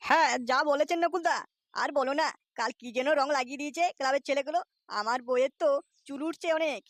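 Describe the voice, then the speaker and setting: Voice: high voice, fast, a bit bright, no room sound. A performer voicing a flustered village man in a Bengali comedy cartoon, nervous, complaining and protesting.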